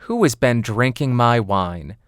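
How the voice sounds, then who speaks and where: A man voicing excitable, kind-hearted little dwarves from a storybook in an exclamatory way. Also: medium pitch, unhurried, no echo, studio quality, close to an everyday voice. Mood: indignant.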